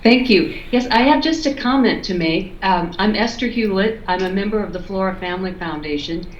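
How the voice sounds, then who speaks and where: A woman who belongs to a foundation family, speaking warmly and gratefully in praise of its leader. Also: medium pitch, lively intonation, brisk. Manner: warm, grateful, effusive praise. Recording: dull, echoey call audio with faint noise.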